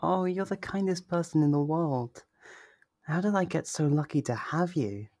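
A man's voice: on the high side, a little mellow, dry recording. A man playing a sweet, possessive yandere lover in an intimate ASMR roleplay, tender and reassuring. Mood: affectionate, doting. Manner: tender, reassuring, slow and deliberate.

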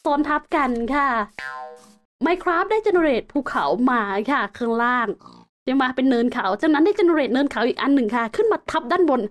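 A woman's voice: high-pitched, lively intonation, moderate pace. A young woman hosting a survival game video, chatting to viewers and exclaiming as she explores. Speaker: game host. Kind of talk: casual Let's Play commentary.

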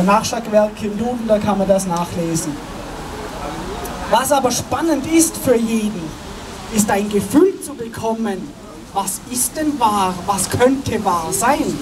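A middle-aged man with a Vorarlberg Austrian dialect gives a chatty public talk at an outdoor rally, asking the crowd questions over a handheld mic. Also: sits high. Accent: Vorarlberg Austrian German dialect. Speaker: guest speaker, author. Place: outdoor city square. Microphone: handheld mic, filmed from afar. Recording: distant with outdoor street noise.

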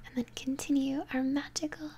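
A young woman giving gentle, chatty game commentary in a soft, breathy ASMR whisper. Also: high voice, flat delivery, slight background noise. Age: young adult. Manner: gentle, chatty, unhurried narration of play. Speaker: game streamer, host. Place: small home room, indoors. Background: game music.

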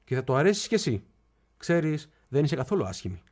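In a radio stage play, an actor voices a lonely, childlike young man who swings from hushed confiding to shrill shouting. The delivery is very animated, with a coaxing mood.

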